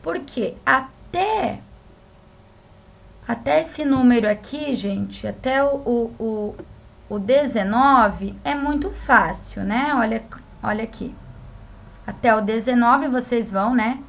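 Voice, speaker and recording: Woman teacher, Portuguese native, unhurried classroom delivery, slightly higher voice, keeps checking in with the class. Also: gravelly. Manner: patient, repeats examples, checks understanding with "né?" and "tá?". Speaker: Spanish teacher. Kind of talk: slide-based classroom lesson.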